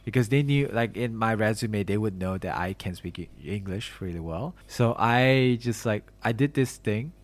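A man's voice: lowish voice, moderate pace, few pauses. A young man in a casual conversation as host, rambling along with lots of "like" and "you know". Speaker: podcast host interviewing a friend. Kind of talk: casual chat.

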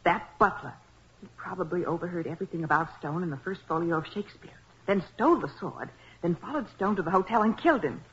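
An actress playing a spirited, loyal young American assistant to a detective in a 1940s radio drama, eager and expressive. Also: female voice, on the low side, quick pace, a little hiss or hum. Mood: excited reasoning. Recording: muffled, dull vintage 1940s radio recording.

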